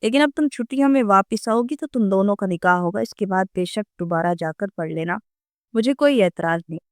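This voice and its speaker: A woman's voice: mid-range voice, lively intonation, dry recording, clean studio sound, lightly acted. A woman reading the lines of a commanding elderly grandfather in an audiobook story, giving orders and threats. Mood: stern. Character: stern elderly male grandfather, village patriarch.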